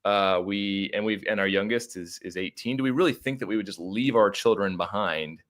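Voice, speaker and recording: A middle-aged man with an American accent speaks in a low voice. He talks as a podcast guest, in a casual storytelling way. His manner is informal and talkative, wandering through asides. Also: a little fast, fairly bright tone. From United States (Arizona).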